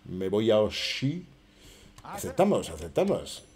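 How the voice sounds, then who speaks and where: A man's voice: fairly low pitch, wildly swooping pitch, a little slow, a little mellow, soft background music. A middle-aged man from Spain with a Spanish accent, chatting casually and swearing as he plays and talks to viewers over a headset mic. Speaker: gaming channel host. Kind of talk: casual gameplay commentary.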